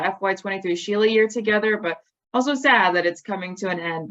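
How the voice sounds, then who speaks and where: A woman's voice: mid-range voice, a bit bright, lo-fi sound. A young woman hosting an online program event, speaking casually with lots of ums and likes. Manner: casual, filler-heavy, with many ums and likes. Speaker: program host.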